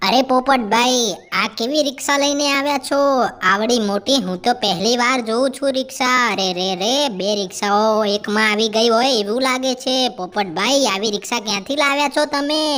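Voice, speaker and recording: A woman speaks in a cartoonish character voice, pitched high, at a fairly slow pace. Light background noise sits behind her. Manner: lively, chatty.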